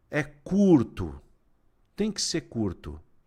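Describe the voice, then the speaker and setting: Against a silent background, a man's voice is captured in a very clean recording. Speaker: sports commentator and narration coach. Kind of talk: casual talk to camera, live stream commentary.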